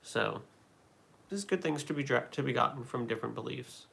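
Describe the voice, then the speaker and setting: Man, very gravelly voice, casual livestream chat, rambling with fillers. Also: mid-range voice, normal speed. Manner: relaxed, rambling, many fillers and restarts. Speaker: livestream host answering chat.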